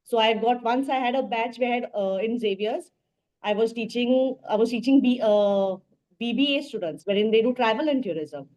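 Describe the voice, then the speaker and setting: A woman's voice: fairly high pitch, moderate pace, darkish tone, rough recording. A woman from Goa with a Goan Indian English accent, answering as a teacher in an interview, often repeating and rephrasing her words. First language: Portuguese and Konkani. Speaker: language teacher, interview guest.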